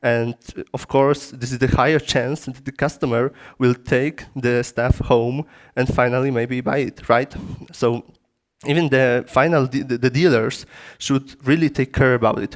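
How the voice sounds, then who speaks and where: This voice carries a Polish accent and monotone, flat intonation. It moves at a moderate pace. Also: man, medium pitch for a man. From Poland. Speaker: acoustic engineer. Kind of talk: lecture. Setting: conference room at trade fair. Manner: halting, many fillers and restarts.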